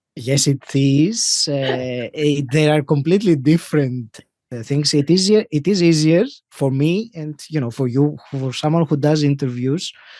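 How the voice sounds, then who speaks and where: Speaking with a Greek accent at a moderate pace, a man uses a fairly high pitch and a dark, mellow tone with ordinary pitch variation. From Greece. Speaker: podcast host, guest. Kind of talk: interview podcast.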